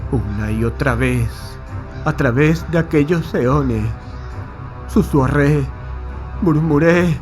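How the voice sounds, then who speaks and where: A man's voice: on the high side, takes it slowly, pauses often, darkish tone, soft background music. A man narrating a horror audiobook in the first person, with a solemn, literary, dramatic delivery.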